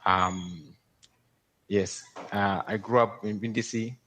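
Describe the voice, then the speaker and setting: A man in his twenties, from Darfur, giving careful, halting testimony as a witness over a video call. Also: lowish voice, fairly even intonation, sharp tone, low-quality recording. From Sudan, Darfur. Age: 20s.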